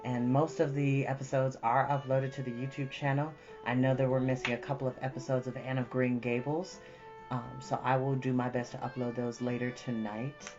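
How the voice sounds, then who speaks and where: A livestream host of about thirty chatting casually and exclaiming in an animated, talkative way. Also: medium pitch, normal speed, muffled recording. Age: 30s. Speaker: livestream host who reads books aloud. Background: prominent jazz music.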